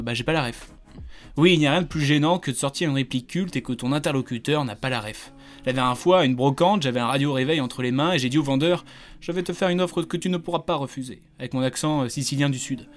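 Wry French podcast host, joking. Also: male voice, medium pitch. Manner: wry, joking, full of wordplay. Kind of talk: scripted comic intro, then casual chat.

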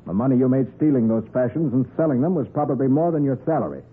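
An actor playing a cool, confident private detective in a 1940s radio crime drama, assertive and unruffled. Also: male voice, mid-range voice, lively intonation, quick pace, husky. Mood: accusing. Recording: tinny 1940s radio broadcast.

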